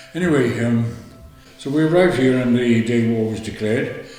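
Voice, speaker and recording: With music in the background and audible room echo, a man speaks at a moderate pace and medium pitch with ordinary pitch variation. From England. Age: 80s+. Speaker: priest. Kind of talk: interview.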